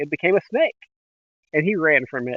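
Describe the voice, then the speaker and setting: A nasal male voice at a moderate pace. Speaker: Bible reader. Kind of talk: scripture reading.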